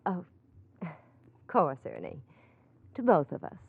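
A woman's voice: fairly low pitch, huge pitch swings, slow, vocal fry, over loud music, heavily acted. An actress playing a cool, sly female schemer in a 1940s radio crime drama, mocking under polite words. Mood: smoothly polite. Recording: thin, tinny old radio recording.

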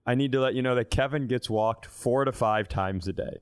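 A man's voice: mid-range voice, brisk, clean tone, no echo, studio quality. Comedy podcast co-host: man, thirties, clean resonant voice, casual profane storyteller. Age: 30s. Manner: profane, self-deprecating. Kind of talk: casual comic storytelling and banter.

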